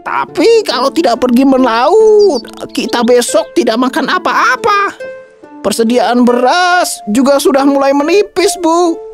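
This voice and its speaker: A woman voicing an elderly male fisherman, hardworking and stubborn, in a cartoon story; she speaks in a slow, earnest, fussy way. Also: high voice, animated, soft background music. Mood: worried.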